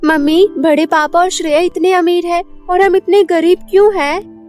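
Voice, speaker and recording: A woman's voice: very high voice, fairly even intonation, moderate pace, a little mellow, soft background music. A woman voicing a sweet, dutiful young daughter from a poor family in a cartoon story, speaking earnestly. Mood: puzzled. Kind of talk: Hindi cartoon story dubbing.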